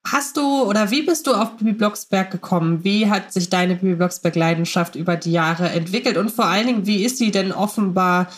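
A woman's voice: mid-range voice, brisk, few pauses. A woman hosting a podcast in a conversational moderating style. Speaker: podcast host.

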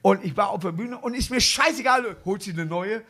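A man's voice: high voice, a little fast, sharp tone. A man hosting a live comedy podcast, rambling through anecdotes and chuckling often. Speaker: podcast host. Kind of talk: casual comedy chat.

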